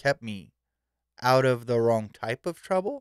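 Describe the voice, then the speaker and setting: A man with a Californian accent speaks at a medium pitch, the sound dry and close with no echo in a very clean recording with a silent background. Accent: General American (Californian). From Los Angeles area, US. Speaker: content creator helping homeless people. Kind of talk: solo vlog monologue. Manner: casual, somewhat rambling with restarts.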